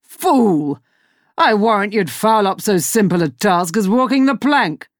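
A woman's voice: mid-range voice, animated, unhurried, no room sound, clean studio sound, voice pushed up, close to an everyday voice. A woman voicing a pompous, bullying male pirate captain in a storybook reading, commanding and haughty. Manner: haughty and commanding, turns to pleading when scared.

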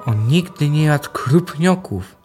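A man's voice: fairly high pitch, animated, slow pace, darkish tone, soft background music. A young male performer playing an earnest poor boy from a mining town in a radio play, with a Silesian Polish accent. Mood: solemn, tender.

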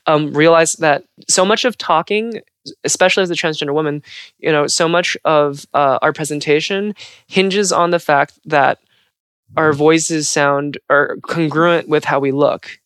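A woman's voice: low voice, unhurried, clean tone, dry recording, studio quality. A trans woman from California, a Foley artist, chatting casually on a podcast with a fairly androgynous voice. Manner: animated, androgynous voice.

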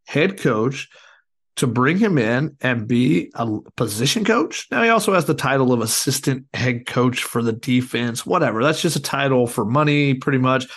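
A man co-hosting a casual sports podcast, hoarse as his voice comes back, talking in a rambling way with many fillers. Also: mid-range voice. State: hoarse, recovering lost voice. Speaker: podcast co-host.

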